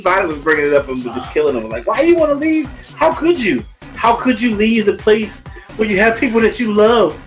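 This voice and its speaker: A man co-hosting a casual movie review, expressive, acting out quotes and often checking that his listener agrees. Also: high voice, a little fast, faint music behind.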